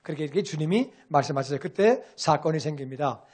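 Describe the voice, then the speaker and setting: A male pastor delivering a sermon with a high-pitched voice. He preaches in an animated, conversational way, slipping into casual asides and acting out the voices he quotes. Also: fast talker, breathy edge.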